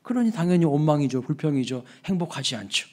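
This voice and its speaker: A man delivering a Sunday sermon, his voice sitting a little high for a man. He preaches emphatically, falling suddenly soft and then rising again to act out exclamations. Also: animated, fast talker. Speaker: pastor. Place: church sanctuary.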